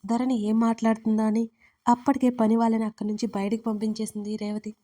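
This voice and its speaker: Flat, mellow woman storyteller. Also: on the high side, fast talker. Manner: steady, even reading. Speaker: storyteller, channel host. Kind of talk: scripted audiobook narration.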